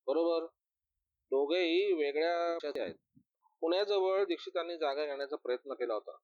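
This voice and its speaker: A man's voice: fairly high pitch, no room sound, dull audio, natural voice. A man doing a confident, scheming ex-bodyguard. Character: adult male former bodyguard, confident and scheming.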